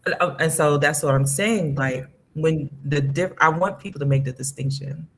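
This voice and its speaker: A guest in a live online discussion who speaks in a measured, hesitant way and often restarts sentences. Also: mid-range voice, a little hiss or hum.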